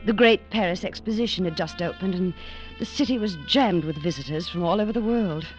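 In a muffled old radio broadcast with music, an actress plays an earnest young Englishwoman in 1940s radio drama, breathlessly recounting her story. Her lowish voice is a little fast and lightly acted, wide-eyed in manner.

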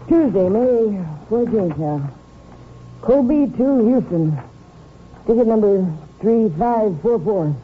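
A woman's voice: medium pitch, expressive, slow pace. An actress playing a folksy, rambling small-town Texan woman ticket clerk in a 1950s radio drama. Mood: musing, dithering. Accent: rural Texan. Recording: muffled, noisy 1950s radio recording.

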